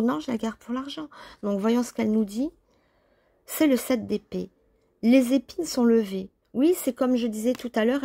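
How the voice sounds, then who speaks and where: Gravelly-voiced woman doing a tarot reading. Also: a little high, mellow, slight background noise. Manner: chatty, talks to herself while handling cards. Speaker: tarot reader. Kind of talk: casual tarot reading to camera.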